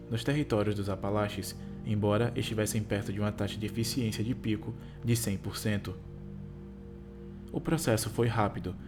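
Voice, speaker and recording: Over background music, a man narrates a YouTube video in Brazilian Portuguese, reading a script and then casually signing off to his viewers. His voice sits lowish, and a tongue-tie impediment makes some consonants, like R, S, T and L, difficult for him to pronounce.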